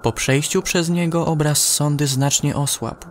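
Slow, measured male horror narrator. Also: a little high, steady tone, a little hiss or hum. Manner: measured, with dramatic pauses. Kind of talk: scripted horror sci-fi narration.

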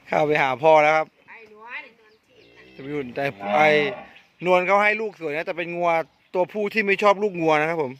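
A man with a fairly high voice narrates his herd outdoors, chatting eagerly and casually. Faint birds and chickens are heard behind him, recorded on a handheld camera on the farm. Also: moderate pace, pauses often, noisy background. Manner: chatty, excited, laughs often at the calves. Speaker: farm vlogger. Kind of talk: casual commentary while filming cattle. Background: birds and chickens, faint outdoor ambience.

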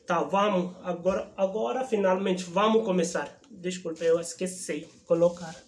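A man in his thirties from India with an Indian accent, hosting a casual reaction video from a room indoors with a lapel mic, speaking halting learner Portuguese in a chatty, excitable way. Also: high-pitched, a little hiss or hum. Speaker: YouTube reaction host. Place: indoor room in front of a wooden backdrop. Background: music playing from the reacted video.

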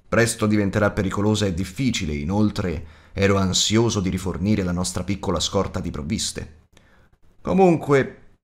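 A man voicing an old male wizard in an audiobook, speaking in a measured, authoritative way. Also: deep voice. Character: old male wizard, wise, curt and commanding. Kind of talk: audiobook character voice.

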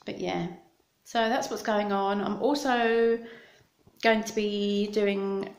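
Speaking slowly in a medium-pitched, steady voice, this vlogger talks to camera from a small indoor room at home. She is a middle-aged Scottish woman with an English accent who wanders between subjects with a dry mouth, and the close-held phone picks up a roomy sound.

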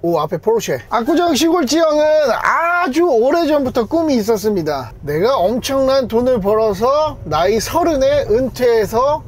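A man's voice: very high voice, big pitch swings, normal speed, few pauses, slight background noise. A man in his thirties talking casually and with self-assurance to his vlog camera. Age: 30s. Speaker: YouTuber, car collector. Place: mostly inside a car, sometimes outdoors.

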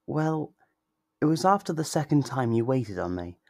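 A man's voice: mid-range voice, big pitch swings, gravelly, darkish tone, no echo, clean studio sound. A man playing a sweet, possessive yandere lover in an intimate ASMR roleplay, tender and reassuring. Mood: tender, confessional. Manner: tender, reassuring, slow and deliberate.

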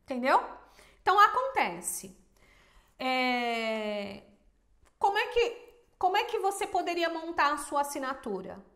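High-voiced Brazilian woman, emphatic. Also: measured pace, long pauses, reverberant. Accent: Brazilian Portuguese. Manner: emphatic and animated, lots of rhetorical questions. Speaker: small business owner and teacher. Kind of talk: casual advice to viewers.

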